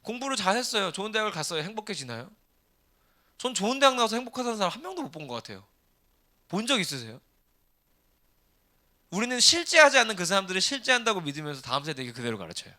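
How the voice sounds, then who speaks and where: Lively fast-talking male pastor. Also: sits high. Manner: animated, rhetorical questions to the congregation. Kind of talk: sermon.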